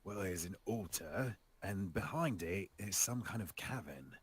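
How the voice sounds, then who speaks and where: A man voicing a classy, cautious zombie adventurer in a tabletop game, with a dry, measured, understated manner. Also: low-pitched, animated, heavily acted. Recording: clear background noise.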